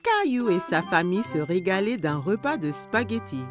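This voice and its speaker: A woman narrating a children's story in an expressive, scripted storytelling style. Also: mid-range voice, moderate pace. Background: music.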